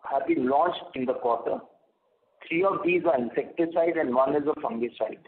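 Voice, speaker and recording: A company executive delivers prepared earnings call remarks in a measured, formal way. The man comes through a tinny phone line that thins out his voice, and he sits a little above the usual pitch for a man. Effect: heard over a phone line.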